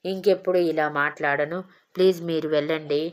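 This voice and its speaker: A woman's voice: low voice, fairly even intonation, a little fast, lightly acted. A woman voicing a shy, timid young wife who pleads with her husband, in a storybook reading. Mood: pleading.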